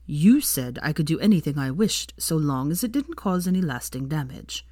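A woman voicing a smug, aloof young wizard man who speaks low, slow and dry. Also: lively intonation, dark tone, dry recording.

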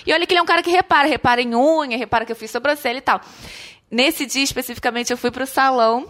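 A woman co-hosting a casual podcast with her partner, animated and self-mocking as she tells stories. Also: high voice, very fast. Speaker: podcast co-host. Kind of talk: casual couple chat.

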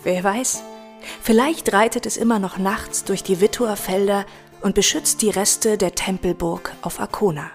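A woman's voice: medium pitch, steady tone, normal speed, faint music behind. A woman narrating a scripted history guide in a storytelling style.

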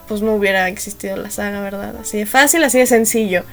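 A woman's voice: mid-range voice, fast, faint music behind. A young adult woman with a Mexican accent hosting a podcast, telling stories in a chatty, slangy way and acting out what people said. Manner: chatty and slangy, acts out quotes, laughs at her own jokes. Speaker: podcast host. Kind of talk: casual storytelling monologue.

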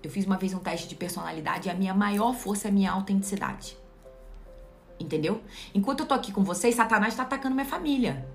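A woman's voice: mid-range voice, quick pace, gravelly, soft background music. A young Brazilian woman speaking as a Christian mentor to her online followers, emphatic and direct as she preaches. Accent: Brazilian Portuguese. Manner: emphatic and direct, preachy, addresses the viewer as "you". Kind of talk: motivational live-stream talk to followers.

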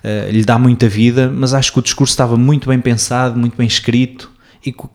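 A man's voice: mid-range voice, flat delivery, quick pace, darkish tone. A man from the Azores with a European Portuguese accent, chatting casually in a reflective, slightly hesitant way. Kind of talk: casual chat.

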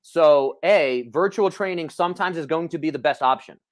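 A talkative personal trainer, a man with a slightly raised pitch. He chats with energy over an online call and restarts his sentences often. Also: moderate pace. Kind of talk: casual podcast chat.

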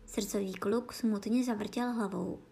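A woman narrating a classic children's story, reading aloud calmly and expressively. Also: medium pitch, vocal fry, husky.

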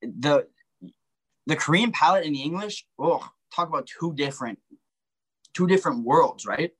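A man's voice: fairly high pitch, animated, moderate pace, fairly bright tone, breathy edge, poor audio. Man, casual podcast guest, rambling delivery, filler-heavy. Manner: rambling, lots of fillers and restarts. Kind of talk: casual chat.

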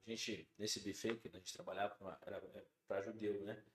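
A man's voice: lowish voice, a little fast. A man from Brazil, a chef on a podcast, chatting casually and animatedly, acting out the people in his stories. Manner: animated storyteller, acts out quoted dialogue. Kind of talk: casual chat. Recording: roomy studio sound.

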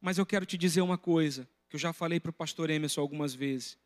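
High-voiced pastor preaching. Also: male voice, fast. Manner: storytelling, breaks into loud shouting when retelling a confrontation. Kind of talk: sermon.

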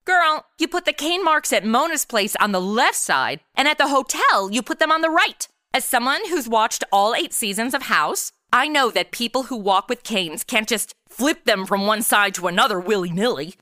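Brash American twenty-something girl detective voiced by a woman, bright and dry-miked, theatrical, comedic audio drama. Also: fairly high pitch, expressive, normal speed, hardly any pauses, no echo. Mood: smug. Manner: sassy, slangy, theatrical.

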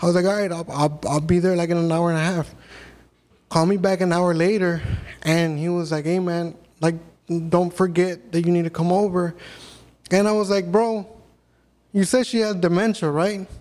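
A man's voice: sits high, steady tone, moderate pace, a little mellow. A man in his thirties, a podcast guest, telling blunt, profane stories in casual chat. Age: 30s.

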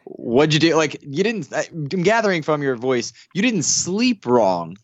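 A man's voice: fairly high pitch, sing-song, unhurried, no room sound, muffled recording. A man in his thirties co-hosting a podcast, joining remotely and teasing in a wry, casual way. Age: 30s. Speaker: podcast co-host. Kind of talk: casual chat. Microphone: remote call.

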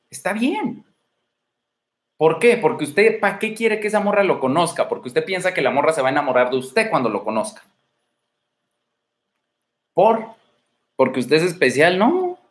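A man with a Mexican accent speaks in a slightly raised voice, casually lecturing viewers of his home livestream. His manner is blunt and swaggering, salted with crude slang and rapid-fire rhetorical questions. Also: sits high. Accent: Mexican Spanish. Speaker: dating advice livestream host. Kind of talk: casual livestream advice talk. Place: indoor room at home. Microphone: streaming from home.

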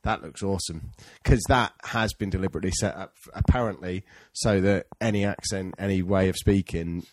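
A man's voice: sits low, brisk, few pauses, background noise. A man chatting casually as a podcast co-host, with a blunt, teasing manner. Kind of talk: casual chat.

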